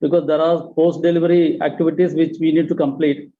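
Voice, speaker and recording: A man's voice: a little high, level tone, quick pace. A man, a company finance official giving factual, matter-of-fact answers on a conference call. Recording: dull call-line audio.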